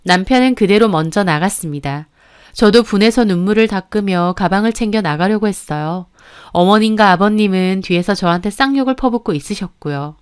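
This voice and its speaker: Smooth-voiced woman narrating a story. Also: mid-range voice, lively intonation, a little fast. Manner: earnest storytelling. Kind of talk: first-person radio story narration.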